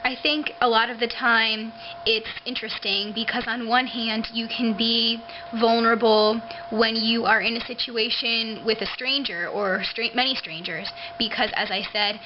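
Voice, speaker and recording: A woman vlogger talking casually and haltingly to her webcam, with drawn-out, hissing s sounds like a lisp. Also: a little high. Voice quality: lisping, hissy drawn-out s sounds. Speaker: video blogger. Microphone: webcam microphone. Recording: noisy dull webcam audio, hissing sibilance.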